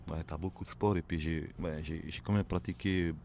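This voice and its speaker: A man, talking casually as a guest on a radio show, filling pauses with "ben", "hein" and "voilà". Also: sits low, fairly even intonation, darkish tone, slight background noise. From Tahiti. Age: late 30s. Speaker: guest, outrigger canoe paddler. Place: radio studio.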